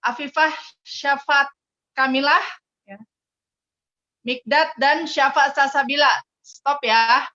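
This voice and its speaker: A woman's voice: high voice, fairly even intonation, slow, long pauses, bright, forceful tone. A woman moderating an online event over a video call, talking casually with many filler words. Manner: fills speech with "ya" and "eh" fillers. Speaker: webinar moderator. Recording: muffled lo-fi video call audio.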